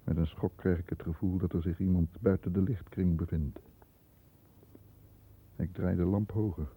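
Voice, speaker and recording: An actor playing a stern, disdainful middle-aged lawyer who narrates his own thoughts in a measured way in a 1960s radio drama, heard on a muffled old recording. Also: low voice, steady tone, slightly rough. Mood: reflective, severe. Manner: measured, introspective first-person narration.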